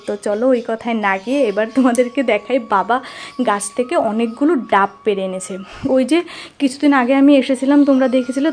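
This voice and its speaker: A woman's voice: on the high side, a little mellow. A young woman narrates a personal vlog casually, chatting straight to her viewers with little tag questions. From rural Tripura, India. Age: young adult. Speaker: vlogger.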